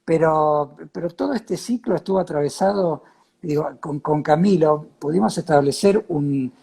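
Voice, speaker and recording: Husky, halting Argentine man hosting. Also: a little high, mellow. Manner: halting, repeats words as he searches for phrasing. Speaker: host of a talk series. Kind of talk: casual, reflective chat.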